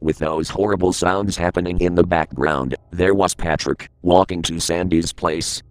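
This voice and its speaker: Deep-voiced man narrating a horror story. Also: steady tone, moderate pace, clean tone, no room sound.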